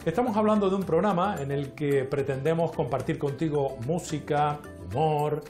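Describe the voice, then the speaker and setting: A warm-toned voice speaks at a fairly slow pace with clear music playing in the background. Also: man. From Canary Islands. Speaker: TV and radio presenter. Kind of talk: TV show host address to camera. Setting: home. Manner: warm, friendly. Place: home room. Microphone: lapel.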